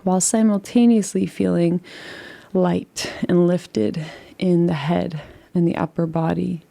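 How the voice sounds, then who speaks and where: A woman leading a guided relaxation meditation in a soothing, unhurried, gently instructive way. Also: on the low side, fairly even intonation, gravelly.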